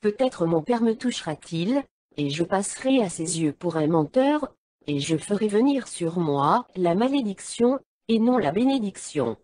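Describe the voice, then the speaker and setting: Woman reading anxious deceiving younger son, slow, mellow. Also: medium pitch, sing-song, no echo. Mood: wary.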